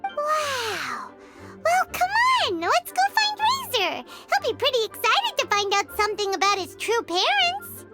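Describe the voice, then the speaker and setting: A woman's voice: measured pace, full character voice. A woman voicing a tiny, chirpy, blunt girl companion in a video game. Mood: excited. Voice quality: very high, squeaky. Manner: lively, quips and exclamations. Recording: game audio with music.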